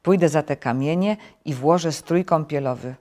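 A woman's voice: sits low, moderate pace, darkish tone, lightly acted. A woman voicing a fussy, easily upset male toad who complains emphatically.

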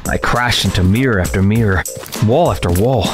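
A man's voice: fairly low pitch, a little fast, over music, close to an everyday voice. An actor playing a working man trapped in deadly games, telling his story in tense, determined first-person narration. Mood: grim, urgent.

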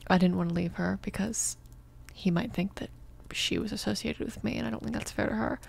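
A woman playing a tender, flustered mafia boss in an ASMR roleplay, speaking softly and haltingly, often near a whisper. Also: mid-range voice, fairly even intonation. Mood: concerned, explaining. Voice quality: soft, creaky, breathy whispering at times. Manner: hesitant, reassuring, halting. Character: protective young female mafia boss, tender, flustered, apologetic.

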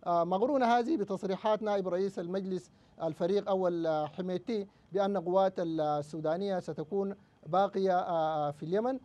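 A man from Sudan speaks as a remote news guest over a bad connection that dulls and muffles his voice. He talks quickly in a high, dark register. He fills his formal analysis with long hesitant fillers. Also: lo-fi sound. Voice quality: halting, many drawn-out fillers. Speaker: political science professor, remote guest.

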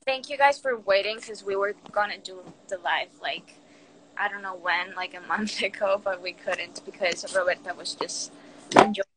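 A woman's voice: medium pitch, measured pace, noisy background. A young woman in her twenties with a Spain Spanish accent, chatting casually on a phone live stream and switching between Spanish and English. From born in Puerto Rico, raised in Spain. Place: small room indoors. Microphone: phone front camera, close.

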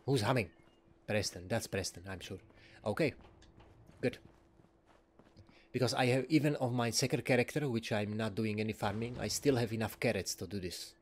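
A man's voice: on the low side, moderate pace, long pauses, slight background noise. A man giving casual, rambling commentary while playing a video game, often chuckling. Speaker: let's play gamer.

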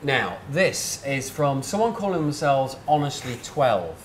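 A man's voice: mid-range voice, sing-song, measured pace, a little hiss or hum. A man in his thirties hosting a casual chat in a restaurant, reading reviews aloud with dramatic emphasis. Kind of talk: casual interview. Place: restaurant dining room. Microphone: lapel mic.

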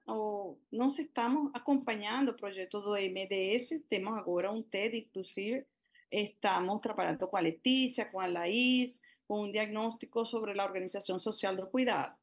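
A middle-aged woman with a Spanish accent presents over a video call, pausing on fillers and starting her sentences over as she goes. She speaks Portuguese as a second language. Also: medium pitch. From Venezuela. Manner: hesitant, many fillers and restarts. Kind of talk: public hearing presentation.

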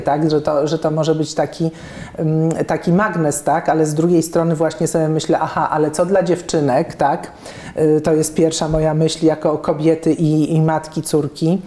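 A woman in her fifties conducts a conversational interview with a guest in an office room filled with plants and bookshelves. Her low, mellow voice carries some room echo, and she speaks thoughtfully, with many fillers and restarts.

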